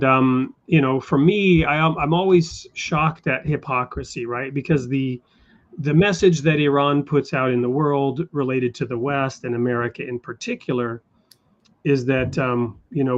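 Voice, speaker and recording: A man hosting an interview show, asking questions in a measured, thoughtful way with frequent fillers. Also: medium pitch, fairly even intonation, muffled recording. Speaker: show host. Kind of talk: interview conversation.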